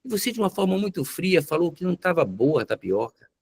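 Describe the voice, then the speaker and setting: A man's voice: on the high side, very animated, fast, slightly rough, voice pushed up. A man voicing a tearful young wife who pleads that she cooked with love. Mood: hurt, pleading. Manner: pleading, emotional.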